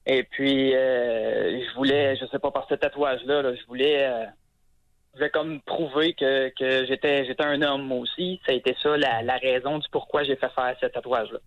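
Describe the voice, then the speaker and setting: A man in his twenties with a Quebec French accent, calling in to a talk show and telling his story hesitantly, with many fillers and restarts. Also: mid-range voice. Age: 20s. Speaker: caller. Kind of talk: phone-in call on a talk show. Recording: muffled phone-in line.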